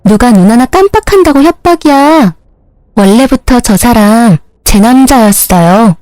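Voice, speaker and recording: Woman doing a high sneery young mistress, totally unbothered, dry close sound. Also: expressive, measured pace, mellow, dry recording. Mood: mocking. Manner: mocking, haughty. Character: brazen young female mistress, smug. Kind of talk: dramatized story narration.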